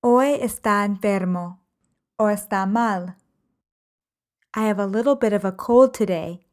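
A woman teaching a language lesson podcast, reading example sentences in measured, carefully enunciated phrases. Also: mid-range voice. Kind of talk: slow, clear podcast lesson.

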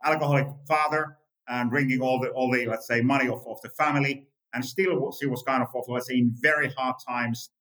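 A middle-pitched man with a Finnish accent talks through his answers as an interview guest. He restarts often and leans on the same filler phrase while he searches for words, in English that is not his first language. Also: fairly even intonation, fairly bright tone, poor audio. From Finland. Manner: halting, full of restarts and the filler "let's say". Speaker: guest founder.

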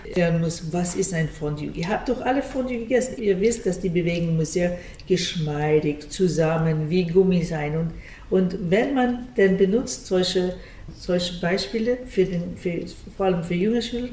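A Russian-native woman from Canada, older, explaining patiently in a radio interview and often pausing to search for words. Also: fairly low pitch, warm tone, a little hiss or hum. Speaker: ballet school director. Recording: distant, roomy, faint ambience.

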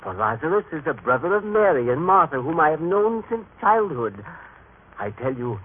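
A man's voice: a little high, very animated, moderate pace, a little hiss or hum. An actor playing a devout townsman who speaks with emphatic, solemn conviction in a vintage radio drama. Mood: earnest conviction. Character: devout townsman, believing male eyewitness. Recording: tinny band-limited old radio recording.

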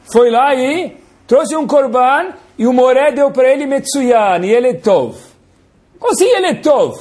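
A man's voice: extremely high pitch, lively intonation, a little slow, darkish tone, pitched above the performer's own voice. A man voicing a sulking, aggrieved young man who complains indignantly about being passed over for his brother. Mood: aggrieved whining.

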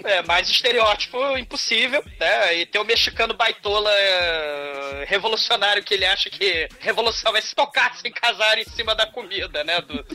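Bright, high-voiced man joking. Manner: crude, joking, quick bursts. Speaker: podcast co-host. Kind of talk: casual comedic film chat.

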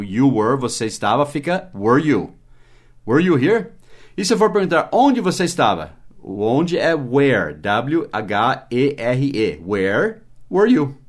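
A man teaching English in a mini-podcast, spelling words letter by letter and slowing down for the English examples. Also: medium pitch. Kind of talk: mini-podcast language lesson.

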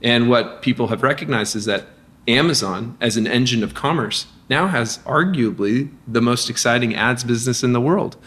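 A man, a company founder, speaking as a guest in a casual business interview, energetic with lots of restarts and fillers. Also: medium pitch, moderate pace.

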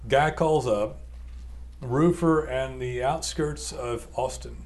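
A man, co-hosting a relaxed podcast. He rambles through a story, mocks himself and often restarts his sentences. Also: mid-range voice, takes it slowly. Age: 40s. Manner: rambling, self-mocking, restarts and laughs. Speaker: podcast co-host. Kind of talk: casual business podcast chat.

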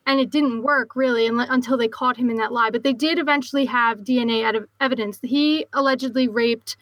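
A woman from Philadelphia with a clear Philly accent hosts a podcast in loose, rambling talk full of fillers. Her voice sits fairly high and sounds close and dry, with no room around it. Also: steady tone, a little fast, no echo. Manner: chatty, rambling with many fillers. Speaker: podcast host. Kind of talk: casual podcast chat.

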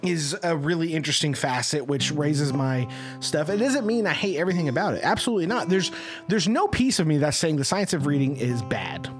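Animated man with a higher voice. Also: brisk, faint music behind. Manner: animated, argumentative, frequent tag questions. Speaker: podcast co-host. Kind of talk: casual podcast discussion.

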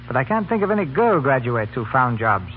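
A man's voice: medium pitch, big pitch swings, fairly quick, phone-quality sound, a little hiss or hum. A man hosting a 1930s radio broadcast in a formal, polished, scripted style. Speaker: host.

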